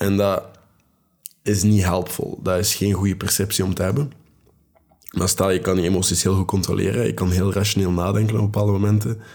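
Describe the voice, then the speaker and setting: A man with an Antwerp accent, at a fairly quick pace, with very even loudness and fairly even intonation. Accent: Flemish Dutch (Antwerp). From Belgium, Antwerp. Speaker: podcast host. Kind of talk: solo book review monologue. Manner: casual, with frequent fillers.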